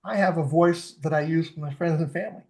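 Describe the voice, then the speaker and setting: A man's voice: a little high, fast talker. A middle-aged man, a guest in a casual podcast interview, explaining tools step by step with enthusiasm. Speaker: fitness technology expert guest.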